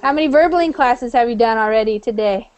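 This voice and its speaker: A woman's voice: on the high side, fairly quick, darkish tone, lo-fi sound. A woman from the United States teaching an online English class over a video call, friendly and chatty with many fillers.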